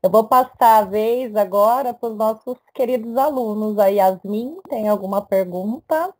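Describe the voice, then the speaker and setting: A woman's voice: a little high, measured pace, warm tone. A woman moderating a school event, friendly and handing turns to students.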